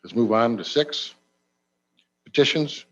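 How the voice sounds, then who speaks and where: A man chairing a county committee meeting, moving briskly through motions and votes. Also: mid-range voice, highs cut off.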